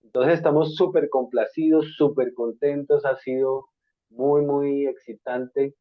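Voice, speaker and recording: A man from Colombia hosting an interview on a video call, courteous and measured with frequent hesitations. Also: medium pitch, fairly even intonation, no room sound. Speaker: interviewer, school counselor. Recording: dry, tinny call audio.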